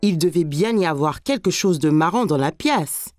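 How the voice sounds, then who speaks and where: A woman reading scripted narration for a children's story, telling it clearly for young listeners. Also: sits low, expressive, normal speed, a little mellow, no room sound, clean studio sound, faint music behind.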